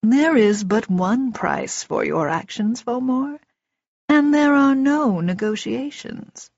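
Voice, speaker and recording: A woman voicing a small male dark-elf warrior in an audiobook, calm, formal, measured and pitiless. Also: fairly high pitch, no echo, dull audio, voice pushed up. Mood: cold contempt. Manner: formal, measured, quiet, emotionless.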